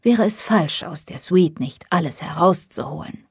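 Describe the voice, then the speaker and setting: A woman voicing a flirty adult rockstar husband in an audiobook, speaking in a low murmur. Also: expressive, normal speed, slightly rough, dry recording, studio quality, full character voice. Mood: teasing.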